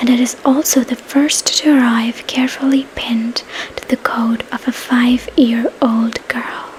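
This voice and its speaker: Over noticeable background noise, a soft-spoken woman talks at a fairly slow pace in a high voice. Her intonation stays monotone and flat. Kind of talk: ASMR book reading, fiction narration.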